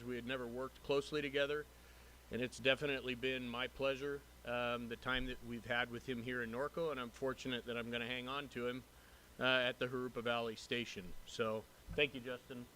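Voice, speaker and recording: A man with a bright, forceful voice of ordinary pitch delivers formal remarks as a police captain. He is earnest and measured, and the meeting room recording carries clear background noise. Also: flat delivery, low-quality recording. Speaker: police captain introducing a new lieutenant. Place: city council chamber.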